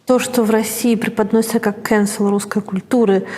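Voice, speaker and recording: A woman's voice: mid-range voice, steady tone, brisk, dark tone, breathy edge, long reverb tail. Woman host asking pointed questions. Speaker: interview host. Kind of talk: interview questions.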